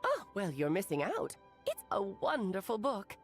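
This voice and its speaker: A woman's voice: mid-range voice, wildly swooping pitch, normal speed, soft background music. A woman voicing a grand, self-assured woman mage in a video game, with eloquent, dramatic delivery. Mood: storytelling.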